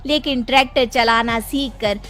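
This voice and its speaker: A woman's voice: a little high, steady tone, moderate pace, a bit bright, soft background music, natural voice. A young woman voicing a determined village daughter-in-law in a cartoon, speaking respectfully and earnestly. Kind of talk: cartoon voice acting.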